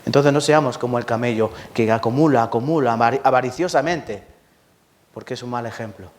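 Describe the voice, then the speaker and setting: A man from Spain with a Spanish accent, preaching a lively Sunday sermon in church, repeating words for emphasis and often asking the congregation questions. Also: mid-range voice, fairly quick, a little hiss or hum. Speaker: pastor.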